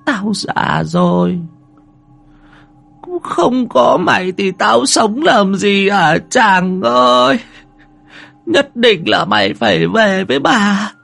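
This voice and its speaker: A man voicing a frail, loving old grandmother in an audio ghost story, with a high, quavering, drawn-out voice. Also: lively intonation, vocal fry, a bit bright, soft background music, full character voice. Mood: tearful pleading.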